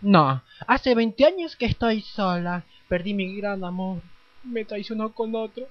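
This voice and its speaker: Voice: mid-range voice, lively intonation, measured pace, dry recording, close to an everyday voice. An actor voicing a campy, eager trans amateur dancer in a parody radio play, effusive and confiding. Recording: dry, dull lo-fi audio.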